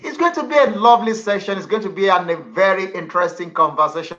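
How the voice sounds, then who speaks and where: A man's voice: a little high, sharp tone, lo-fi sound. A man hosting a radio talk show, speaking formally with repeated phrases and hesitations. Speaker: radio host.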